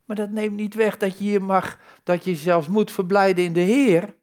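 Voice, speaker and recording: A man's voice: high voice, moderate pace. Man preaching with rhetorical questions. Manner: conversational, rhetorical questions, lively emphasis. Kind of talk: sermon.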